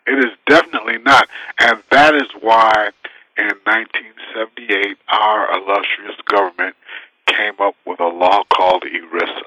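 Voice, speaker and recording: Male guest advisor, emphatic, sharp tense tone, dry sound. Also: lowish voice, no echo, rough recording. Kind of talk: interview answers.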